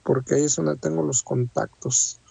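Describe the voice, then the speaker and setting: A man's voice: mid-range voice, fairly even intonation, moderate pace, gravelly, warm tone, slightly rough, dry recording, rough recording. A man hosting a live Christian radio show, greeting listeners with church phrases and frequent fillers. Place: radio studio booth. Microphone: studio microphone, talking over a phone line.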